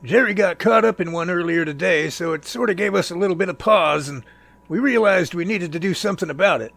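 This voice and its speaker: He's the folksy, excitable professor in charge of a search team in an amateur audio drama, delivering theatrical, old-fashioned lines. The man speaks in a brisk, gravelly, high-pitched voice, friendly and explanatory in tone.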